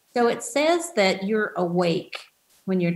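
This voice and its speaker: A normal speaking voice from a woman, medium in pitch, at a fairly slow pace. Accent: American. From US South. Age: 50s. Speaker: racial equity facilitator. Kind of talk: facilitated community discussion.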